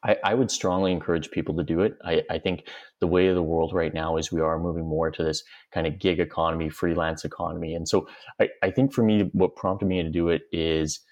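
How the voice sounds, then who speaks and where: A man's voice: sits low, steady tone, brisk, darkish tone, lo-fi sound. A man, a company head, answering interview questions in an earnest, reflective way and explaining at length. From Western Canada. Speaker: guest, company CEO.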